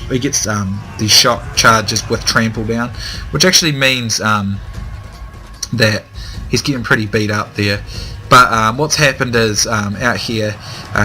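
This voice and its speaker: A young man casually commenting on a strategy game battle, hesitant with many ums, his throat a little dry and hoarse. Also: lowish voice, bright, forceful tone, slight background noise, poor audio. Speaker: gaming commentator.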